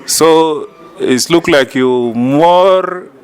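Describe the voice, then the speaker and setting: A man conducting an interview, speaking in halting, simple phrases. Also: on the high side, clear, resonant tone. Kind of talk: on-location interview.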